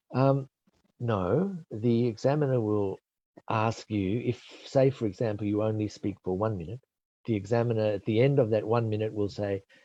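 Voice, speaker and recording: Against a quiet background, a man with an Australian accent talks at a fairly slow pace in a dark, mellow tone, the sound dry and close with no echo. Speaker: English test preparation expert. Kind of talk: live webinar Q&A. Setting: home video call. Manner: halting.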